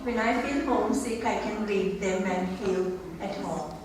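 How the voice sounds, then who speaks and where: A woman's voice: medium pitch, a little slow. Older woman in a long-echoing hall. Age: 60s. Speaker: author thanking guests at her book launch. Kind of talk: unscripted informal thank-you speech. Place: large roomy indoor gathering, mic at a distance. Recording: echoey hall, distant mic, faint noise.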